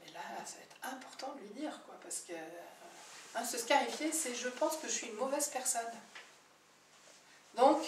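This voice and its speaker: A woman therapist telling client stories in a chatty, animated way, with many fillers and restarts. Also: mid-range voice. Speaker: birth-history therapist. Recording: roomy, distant mic with faint background noise.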